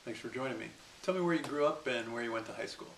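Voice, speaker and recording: A man who is a teacher, interviewing guests with brisk, friendly questions. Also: mid-range voice, creaky, echoey room, distant mic, a little hiss or hum, low-quality recording.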